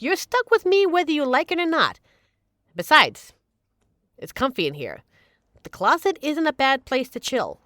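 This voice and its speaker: A woman's voice: high-pitched, fairly bright tone, dry recording, clean studio sound, exaggerated voice. A woman playing a supportive, playful young queer friend in an audio roleplay, talking casually and earnestly to reassure the listener. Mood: playful, warm.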